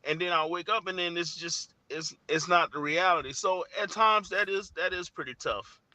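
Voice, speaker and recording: Earnest man in his forties, bright voice. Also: sits high, moderate pace, no room sound, poor audio. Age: 40s. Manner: earnest and searching, full of "you know" and restarts. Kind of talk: reflective conversational interview.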